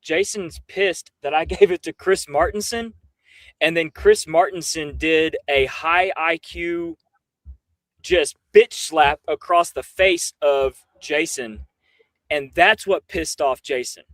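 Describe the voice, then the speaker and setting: A man's voice: on the high side, takes it slowly, a bit bright, no echo. A man talking on a casual livestream in an emphatic, incredulous, slangy way, swearing freely as he rants. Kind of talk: animated casual livestream rant.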